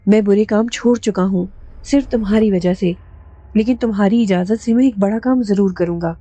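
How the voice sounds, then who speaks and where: A woman's voice: mid-range voice, warm tone, no echo, natural voice. A woman voicing a protective, hot-tempered young husband who speaks firmly and insistently. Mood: stern. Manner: firm and insistent.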